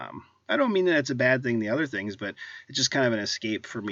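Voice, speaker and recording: Very fast speech comes from a man with a Midwestern accent. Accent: American Midwest. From US Midwest, Wisconsin. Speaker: tabletop gaming YouTuber. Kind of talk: Q&A vlog. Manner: hesitant, many fillers.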